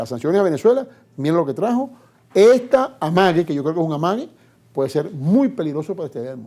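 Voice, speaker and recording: A man's high, dark, mellow voice at a very fast pace with very wide pitch swings. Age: 60s. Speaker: oil industry business leader. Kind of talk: TV interview. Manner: animated.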